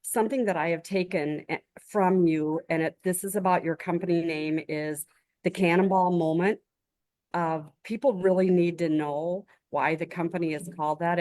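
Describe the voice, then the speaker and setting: A woman's voice: on the low side, a little mellow, no room sound. A woman co-hosting a video-call chat, talking in a joking, chatty way. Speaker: co-host. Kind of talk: casual chat.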